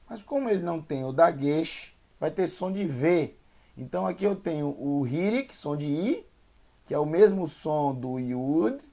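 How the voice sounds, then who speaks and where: Man, Brazilian Portuguese accent, gravelly, fairly high voice, slow careful syllables, beginner lesson. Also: fairly bright tone. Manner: sounds out syllables slowly and repeats words. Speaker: Hebrew teacher.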